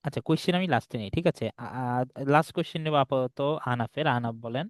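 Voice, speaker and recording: A man's voice: medium pitch, quick pace, no room sound. A man teaching an English class online, explaining patiently and checking often that students follow along. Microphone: video call.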